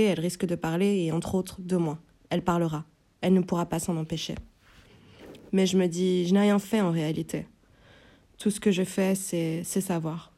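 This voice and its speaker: A woman narrating a novel in first person, in a measured, inward, tense way. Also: lowish voice, dark tone. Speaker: audiobook narrator.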